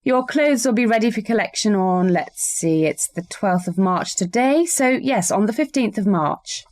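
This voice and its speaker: A woman's voice: medium pitch, expressive, darkish tone, dry recording. Brief: polite service clerk, woman, dry studio read. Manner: polite, measured, repeats details back. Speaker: shop clerk in a scripted dialogue. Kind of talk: scripted listening-exercise dialogue.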